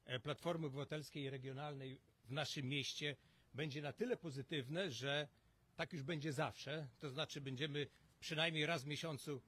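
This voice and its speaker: A man, co-host of a local party meeting, giving relaxed, hesitant closing thanks at an outdoor press conference. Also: on the high side, normal speed, slightly rough. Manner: relaxed, hesitant, many fillers. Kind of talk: informal closing remarks. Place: outdoor terrace. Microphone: cluster of stand mics.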